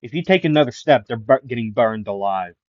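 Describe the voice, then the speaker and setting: A man's voice: medium pitch, expressive, a little fast, no echo, lo-fi sound, close to an everyday voice. Man putting on a mafia-style villain magician. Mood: taunting. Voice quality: mock Italian mafia-style voice. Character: smug male villain magician bargaining.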